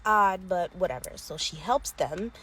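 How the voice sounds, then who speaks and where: A woman's voice: lowish voice, animated, a little slow, a bit bright, breathy edge. A woman telling scary stories in a casual, chatty way and talking straight to her viewers like friends. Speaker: social media storyteller. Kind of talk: casual scary story time.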